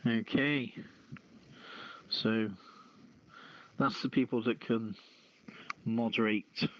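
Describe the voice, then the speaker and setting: A man's voice: on the low side, muffled recording. A man hosting a podcast, reading news aloud and adding casual remarks, stumbling over the odd word. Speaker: podcast host.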